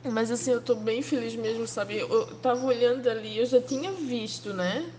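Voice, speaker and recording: A woman with a southern Brazilian accent rambles through a voice message, tearful but happy. Her voice sits fairly high. A faint hiss runs under the recording. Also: normal speed, a little mellow. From Santa Catarina, Brazil. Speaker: client sending a voice message. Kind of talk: WhatsApp voice message.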